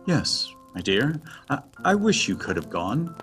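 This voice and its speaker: An actor playing a humble, loving, grieving father in a radio drama, halting and tender. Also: medium pitch, big pitch swings, fairly bright tone, faint music behind. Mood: tender grief.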